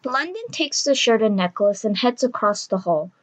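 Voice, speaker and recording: A woman's voice: fairly high pitch, animated, moderate pace. A woman reading scripted story narration for an audio drama.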